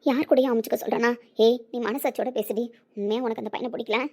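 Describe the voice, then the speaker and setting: A woman's voice: on the high side, steady tone, fast talker, warm tone. A woman playing a desperate middle-aged mother who pleads with and scolds her daughter in an emotional family drama. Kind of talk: Tamil web-series acting.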